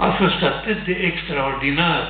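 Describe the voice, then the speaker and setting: A man speaks with ordinary pitch variation amid audible room echo and light background noise. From Romania. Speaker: stage actor. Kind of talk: public talk, storytelling. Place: hall. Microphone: camera far.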